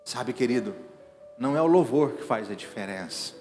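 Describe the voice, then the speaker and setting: Pastor preaching in a reverberant church. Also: male voice, mid-range voice, lively intonation, normal speed. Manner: emphatic, swings between hushed and loud preaching. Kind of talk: evangelical sermon. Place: church sanctuary. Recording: reverberant hall with faint music behind.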